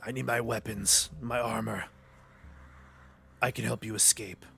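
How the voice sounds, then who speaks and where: A man puts on a gruff character voice at a medium pitch. He keeps a moderate pace over clear background noise. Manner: gruff, grunting.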